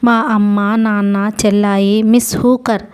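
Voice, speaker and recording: A woman voicing an earnest, quick-witted young boy in a storybook reading, telling his story in a pleading tone. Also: medium pitch, level tone, darkish tone, smooth, lightly acted.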